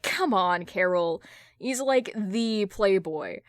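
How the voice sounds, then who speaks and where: A woman acts out an insecure man who talks himself up in an audio drama. He stammers and protests, flustered and quick to defend his pride, in a close, dry sound. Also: mid-range voice, animated, no echo. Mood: defensive.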